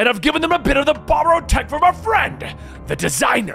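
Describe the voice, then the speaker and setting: Over clear music in the background, a man shouts in a put-on character voice with a theatrical, menacing tone at an extremely high pitch for a man. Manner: mocking, theatrical, menacing.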